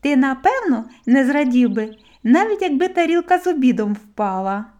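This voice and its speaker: A cheerful young squirrel girl with a high, teasing voice, as a woman reading a storybook puts her on. She speaks kindly and sensibly. The voice is warm and mellow. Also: big pitch swings, moderate pace.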